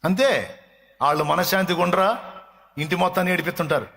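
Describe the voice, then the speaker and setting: A man preaching a sermon with a coastal Andhra Telugu accent. He talks in animated bursts and acts out back-and-forth dialogue with God. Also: high-pitched, a little fast, gravelly. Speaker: pastor. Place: church hall.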